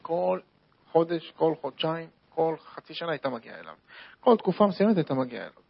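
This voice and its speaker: Man, sermon storytelling, somewhat high voice, dull lo-fi recording, repetitive emphasis. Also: very animated, vocal fry, husky. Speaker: religious storyteller.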